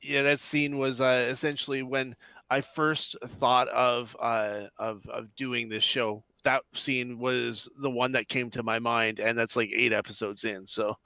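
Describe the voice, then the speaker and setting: Man, interview guest, bright voice, hesitant casual delivery, dry and slightly muffled recording. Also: mid-range voice, little pitch movement, measured pace, clean tone, dry recording. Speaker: guest, audio drama creator. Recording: dull, band-limited sound.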